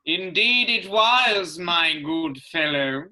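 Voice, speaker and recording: Performer as a slow, bright-voiced pompous villain host. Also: mid-range voice, animated, heavily acted, poor audio. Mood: grandly sinister. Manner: pompous, grandiose, drawn-out. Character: theatrical, menacing mansion host, a pompous gentleman villain. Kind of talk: staged reading of comedy sketch.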